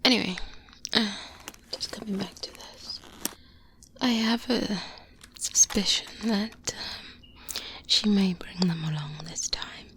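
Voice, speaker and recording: A woman playing a calm, cautious, seasoned vampire hunter mentoring a trainee, speaking softly and breathily with murmured pauses in an ASMR roleplay. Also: medium pitch. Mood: cautious, confiding. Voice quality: soft, breathy whispering. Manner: slow, hesitant, murmured pauses and hums. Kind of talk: soft-spoken ASMR roleplay. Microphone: close binaural microphone. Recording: close-up binaural with clear background noise.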